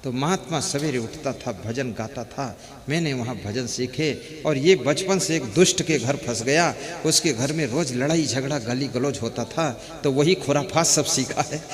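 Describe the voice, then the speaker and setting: A man voicing a wise, devout male parrot who speaks calmly and softly, with a preachy tone, in a hall with a long reverb. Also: medium pitch, measured pace, a crowd in the background, lightly acted. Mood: explaining.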